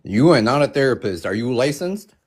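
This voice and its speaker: A man's voice: medium pitch, big pitch swings, fairly quick. A man calling into a livestream, arguing confrontationally and profanely, often stopping and restarting. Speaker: caller. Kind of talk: heated livestream argument.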